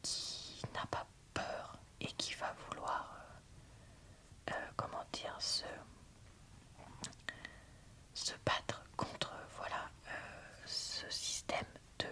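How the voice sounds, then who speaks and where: A woman whispers in a breathy, unvoiced ASMR style, speaking informally and frankly as she reads and reviews books. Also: slow, sharp tone. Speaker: book reviewer.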